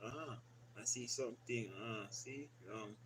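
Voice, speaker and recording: Over noticeable background noise, a man with a Jamaican accent speaks at a medium pitch with fairly even intonation. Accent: Jamaican, Patois features. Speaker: cooking channel chef. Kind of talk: casual livestream chat. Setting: live stream from home. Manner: loud.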